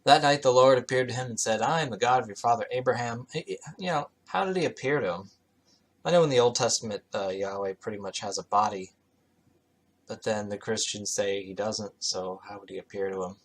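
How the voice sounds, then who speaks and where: A man's voice: fairly low pitch, fairly quick. A man reading scripture aloud and commenting on it as host, with offhand, skeptical, sardonic asides. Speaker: reader and commentator, host of the show.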